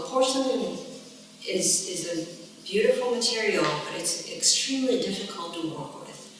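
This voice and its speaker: A middle-aged woman from Japan gives an unscripted artist talk, pausing often as she searches for words. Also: on the low side, fairly bright tone. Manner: halting, searching for words, many pauses. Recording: echoey hall, distant mic, faint ambience.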